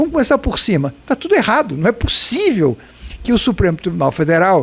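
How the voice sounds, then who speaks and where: His pitch high and swinging very widely, a man talks at a fairly quick pace with very even loudness. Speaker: lawyer. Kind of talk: podcast interview.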